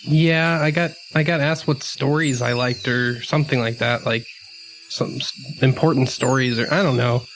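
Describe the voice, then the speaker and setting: A man's voice: medium pitch, steady tone, moderate pace, over music, low-quality recording. A man playing a tabletop role-playing game, improvising casually in a tentative, rambling way.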